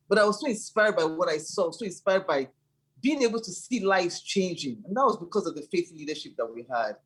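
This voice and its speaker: Husky-voiced woman, earnest. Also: fairly low pitch, rough recording. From Nigeria. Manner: earnest, enthusiastic, repeats words as she builds up. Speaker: church leader, former lawyer. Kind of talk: reflective interview answers.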